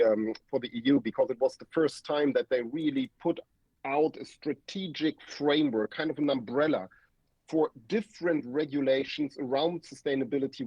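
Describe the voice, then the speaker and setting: Male academic guest, German accent and native German, husky voice, measured explainer delivery, lo-fi dry remote line. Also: mid-range voice, warm tone, no room sound. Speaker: guest academic expert, professor. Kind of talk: explanatory interview talk. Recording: dull, lo-fi remote connection.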